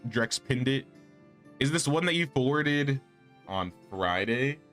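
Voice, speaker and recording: A man streams a game and keeps up an easy, chatty patter, reading out his viewers' messages and replying to them. His voice sits at a middling pitch. Quiet game music hums underneath. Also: animated, takes it slowly. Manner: chatty, reads chat and answers viewers. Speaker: gaming streamer. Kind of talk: casual live-stream chat while playing.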